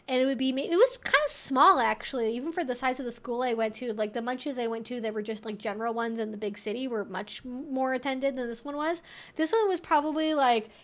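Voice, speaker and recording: High-pitched young woman chatting casually. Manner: rambling, informal, thinking aloud. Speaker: livestream host answering viewer questions. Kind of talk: casual livestream chat.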